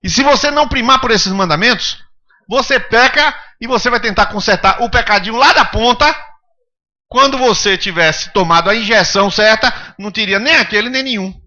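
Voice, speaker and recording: A man preaches to his congregation in a high, bright voice, driving his points home with emphatic rhetorical questions. The recording from the church service sounds dull and lo-fi. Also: a little fast. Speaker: pastor. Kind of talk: sermon.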